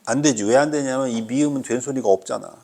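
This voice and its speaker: A male teacher lecturing a room of students at a medium pitch. He fires quick questions at the class and ribs them with playful mock-scolding. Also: creaky, a little mellow. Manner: teasing, mock-scolding, quizzing students constantly. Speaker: Korean language teacher.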